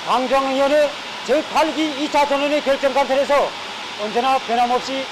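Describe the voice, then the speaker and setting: A man's voice: very high voice, fairly even intonation, moderate pace, noisy background. A man with a North Korean accent giving a fervent, declamatory rehearsed statement for television. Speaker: party cell secretary interviewee.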